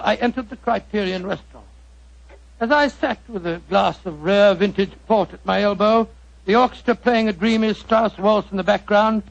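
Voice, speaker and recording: Heard through a muffled old radio broadcast, a high-pitched, gravelly older doctor who tells his tale. He is genial and chuckles as he narrates, in a 1940s radio drama style. The sound is dull and lo-fi. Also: full character voice.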